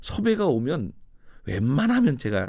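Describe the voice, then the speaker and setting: A man speaks at a very slow pace with vocal fry and very wide pitch swings. The recording is very clean, with a silent background. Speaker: Korean traditional singer. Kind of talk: radio interview. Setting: radio studio.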